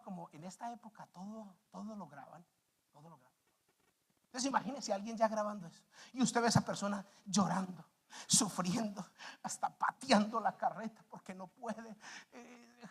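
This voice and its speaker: A husky, fairly high-voiced man preaches with lively energy. He acts out the people in his stories, swinging between loud calls and quiet asides. His delivery is that of a pastor in full flow. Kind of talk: sermon.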